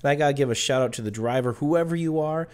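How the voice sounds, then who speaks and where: Short-winded, raspy man doing game commentary. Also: on the high side, fast talker, darkish tone. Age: adult. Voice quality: raspy smoker's-cough sound. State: short-winded, audible methodical breathing. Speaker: gaming video host. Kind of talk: video game commentary mixed with personal storytelling.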